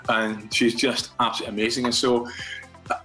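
A man's voice: medium pitch, level tone, a little fast, bright, forceful tone, soft background music, rough recording. An older Scottish man, a guest from a fathers' charity, chatting in a radio interview and often repeating words as he restarts his thoughts.

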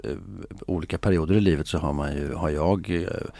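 Deep gravelly man musing hesitantly. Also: warm tone, no room sound. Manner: hesitant, many filler sounds; musing, philosophical. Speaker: interview guest. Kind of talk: reflective conversation.

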